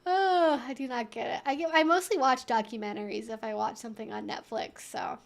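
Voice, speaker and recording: A woman's voice: on the high side, brisk, vocal fry. A woman hosting a casual Q&A livestream, talking in a chatty, rambling way full of informal asides. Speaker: livestream host answering viewer questions.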